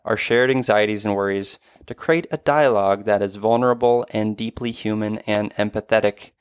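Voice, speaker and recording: A man's voice: fairly low pitch, fairly even intonation, normal speed, clear, resonant tone, no echo, studio quality. A man hosting a podcast, reading his intro and chatting with a guest in an earnest, friendly way. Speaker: podcast host.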